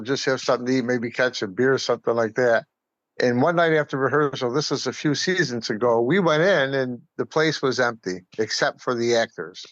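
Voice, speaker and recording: A man's voice: medium pitch, fairly bright tone, no room sound. An American man of middle age or older telling casual stories as an amateur actor on a slightly dull recording. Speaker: community theater actor and podcast guest. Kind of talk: casual storytelling.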